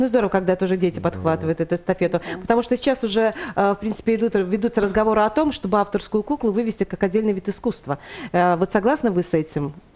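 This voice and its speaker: The woman talks at a very fast pace. Her medium pitch shows ordinary variation. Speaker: TV show co-host. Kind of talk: TV talk show. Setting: studio. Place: studio.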